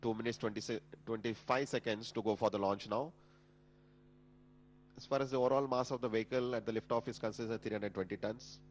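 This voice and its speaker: A man with an Indian accent giving measured, formal live technical commentary as a broadcast commentator. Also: lowish voice, fairly even intonation, rough recording. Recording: humming background noise.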